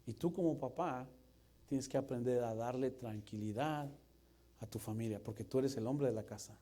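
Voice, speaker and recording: A man, preaching a lively sermon that swings between loud and hushed. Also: mid-range voice, normal speed. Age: 40s. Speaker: pastor.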